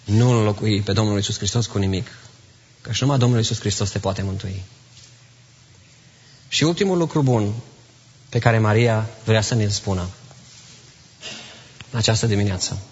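A man preaching a sermon in a church, impassioned, swinging between hushed and loud emphatic lines and repeating phrases for emphasis. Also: lowish voice, pauses often, slightly rough, muffled recording. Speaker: pastor.

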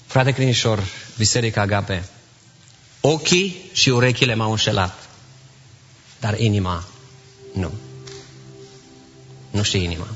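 A man preaching a sermon in a church, impassioned, swinging between hushed and loud emphatic lines and repeating phrases for emphasis. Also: lowish voice, long pauses, muffled recording, soft background music. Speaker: pastor.

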